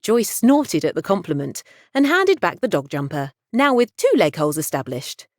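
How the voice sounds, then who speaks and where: A woman narrating audiobooks in an expressive, scripted storytelling style. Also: fairly low pitch, normal speed, dry recording, clean studio sound.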